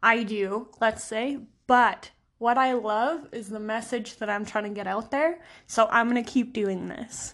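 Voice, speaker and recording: A woman at a fairly high pitch, fairly even intonation, a fairly slow pace, against a quiet background. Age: 20s. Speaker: solo podcast host, psychology student. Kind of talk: casual solo monologue.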